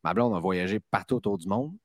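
A man's voice: low voice, brisk, dry recording, clean studio sound. A man with a Québécois accent co-hosting a podcast in casual chat. He sounds tired and jokes around, laughing at his own jokes. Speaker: podcast co-host.

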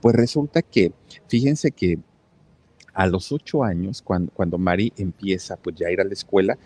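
A man with a Mexican accent tells a story in a loose, chatty way and keeps talking straight to his listeners. His voice sits low and sounds husky. He fills his sentences with fillers. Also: moderate pace, a little mellow. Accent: Mexican Spanish. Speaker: channel storyteller. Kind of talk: casual storytelling.

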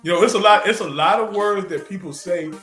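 A man's voice: sits high, brisk, sharp tone, reverberant, soft background music. A man co-hosting a casual podcast, laughing a lot and repeating himself as he gets his thoughts out. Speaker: podcast co-host. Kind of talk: casual chat.

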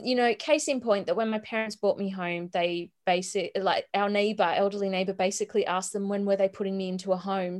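A woman in her forties with an Australian accent, a chatty guest on a remote interview who laughs often and restarts her sentences. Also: medium pitch. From Sydney, Australia. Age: 40s. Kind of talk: conversational interview.

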